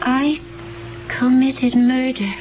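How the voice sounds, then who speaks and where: A woman's voice: high-pitched, slow, highs cut off, a little hiss or hum. An actress playing an aloof, dazed young woman from another culture in a 1970s radio drama, solemn and detached. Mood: dazed, stricken. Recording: band-limited 1970s radio broadcast, music.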